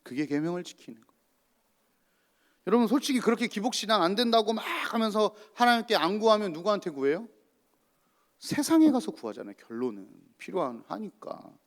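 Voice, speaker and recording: A man's voice: sits high, big pitch swings, a little fast. A male pastor giving a sermon and asking the congregation rhetorical questions. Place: church. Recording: long church reverb.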